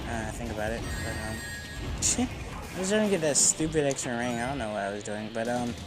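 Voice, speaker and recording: A man's voice: mid-range voice, fairly quick, low-quality recording. Teenage boy gamer over game music. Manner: opinionated. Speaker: gamer narrating a playthrough. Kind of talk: casual rambling gaming commentary. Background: video game music.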